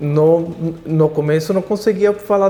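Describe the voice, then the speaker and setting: A very slow voice with a non-native accent and ordinary pitch variation, set against noticeable background noise. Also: man. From foreign country. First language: not Portuguese (speaking Portuguese). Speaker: electrician. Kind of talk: testimony. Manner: halting.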